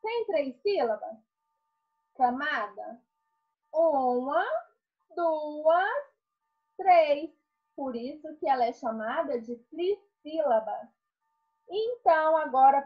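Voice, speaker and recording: A primary school teacher reviewing a lesson for her pupils in an online class, slowly asking questions and then answering them herself. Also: high voice, animated, lo-fi sound.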